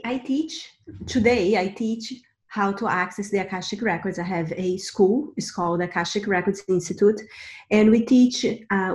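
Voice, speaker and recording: A woman's voice: mid-range voice, darkish tone, reverberant. A middle-aged woman from Brazil, a guest telling her personal story in an earnest way, often restarting and repeating words. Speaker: guest, Akashic Records teacher.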